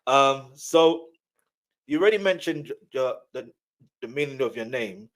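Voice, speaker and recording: A man interviews in a relaxed, chatty style as host. His voice is of average pitch. He phrases questions informally, often restarting and rewording them. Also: measured pace. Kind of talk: casual chat interview.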